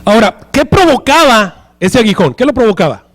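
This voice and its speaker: High-voiced pastor preaching a sermon. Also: male voice, sing-song, normal speed, fairly bright tone. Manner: keeps asking the congregation rhetorical questions.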